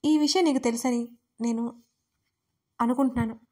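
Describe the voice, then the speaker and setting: A woman's voice: fairly high pitch, fairly even intonation, normal speed, dark tone, natural voice. A woman voicing an arrogant, scheming young man who taunts in an audio story. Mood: smug. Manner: smug, taunting.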